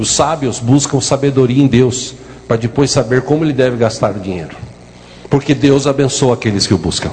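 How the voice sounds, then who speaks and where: A man speaks at a moderate pace and medium pitch, with ordinary pitch variation. There is noticeable background noise. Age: 50s. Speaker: pastor. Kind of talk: sermon.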